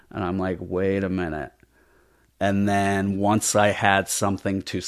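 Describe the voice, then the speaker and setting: A man speaks with an American accent and a fairly low pitch. The recording is very clean with a silent background. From US Midwest. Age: 40s. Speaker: comedian and actor. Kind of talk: casual chat.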